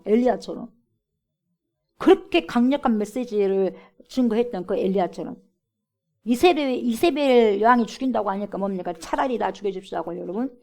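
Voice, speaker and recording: A woman's voice: medium pitch, a little mellow. A woman pastor delivers an emphatic sermon in a church. She keeps calling out to her congregation and drives her points home with direct questions. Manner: emphatic, repeatedly addresses the congregation as 여러분. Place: church sanctuary.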